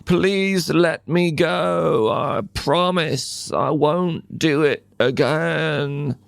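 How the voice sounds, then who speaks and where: A British man voicing a greedy, hot-tempered male trickster spider in a folk tale, with drawn-out, exclamatory pleas and demands. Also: on the high side, creaky, no echo, studio quality, voice pushed up, exaggerated voice. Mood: pleading.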